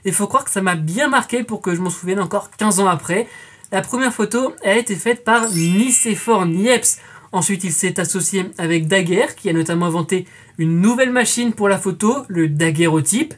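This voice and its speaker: Young woman, quiz host, husky voice, chatty and playful asides, mid pitch. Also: moderate pace. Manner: chatty, addresses viewers as friends with playful asides. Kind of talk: scripted educational quiz.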